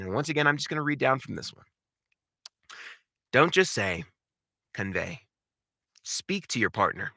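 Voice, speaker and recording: A man with a very bright, forceful voice at a middle pitch teaches like an acting coach talking straight to viewers. He is emphatic and deliberate, repeating phrases and pausing for dramatic weight. The sound is dry and close, with little room in it. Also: no echo. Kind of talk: instructional monologue to viewers.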